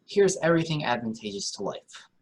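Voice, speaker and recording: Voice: medium pitch, very animated, fairly quick, slightly rough, rough recording. A performer reading a kindly, talkative, optimistic old courtier in a Shakespeare radio play, with earnest, wordy delivery. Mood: cheerful, wondering.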